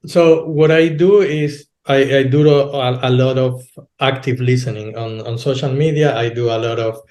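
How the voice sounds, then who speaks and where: A man's voice: mid-range voice, steady tone, darkish tone. Male guest, hesitant with frequent restarts, recorded in a roomy space. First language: Spanish. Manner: halting, many repeated words and restarts. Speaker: guest, localization business owner. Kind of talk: casual interview talk. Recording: roomy echo.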